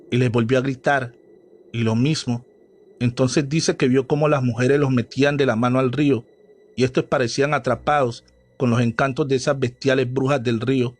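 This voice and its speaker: A man reading a horror story aloud as a storyteller, dramatic and measured. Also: mid-range voice, slight background noise. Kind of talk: scripted horror story narration.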